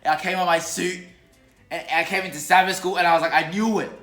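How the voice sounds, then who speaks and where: A young British man chatting casually with his mother, telling stories in an animated way and acting out what people said. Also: high voice, fairly quick. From Britain. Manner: animated storytelling with lots of filler and acted-out quotes. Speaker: vlogger. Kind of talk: casual chat. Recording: echoey room with faint music.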